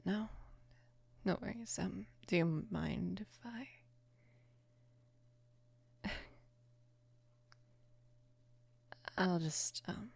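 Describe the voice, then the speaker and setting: A woman of about twenty playing a mafia boss's protective, casual daughter in an intimate ASMR roleplay, speaking softly and unhurriedly, often slipping into a whisper. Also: dry recording, exaggerated voice. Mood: casual, shy. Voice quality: soft, breathy whispering mixed with low murmur. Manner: hesitant, unhurried, casual with small pauses. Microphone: close microphone, dry.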